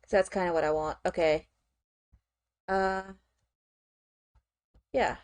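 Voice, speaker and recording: A woman's voice: on the low side, steady tone, takes it slowly, darkish tone, dry recording. A woman streamer chatting casually as she works, thinking aloud with frequent fillers and "okay"s. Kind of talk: casual chat while working on screen.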